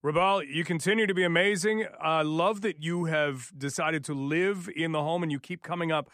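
A man's voice: fairly high pitch, moderate pace, a bit bright, dry recording, studio quality. A male radio host interviewing a guest, upbeat and encouraging.

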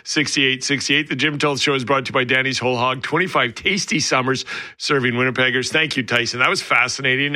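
Male radio host, fast and bright, playful, reads the ads and break promos. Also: medium pitch, no room sound. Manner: jokey, quick, playful. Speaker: radio talk show host. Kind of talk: radio talk show hosting.

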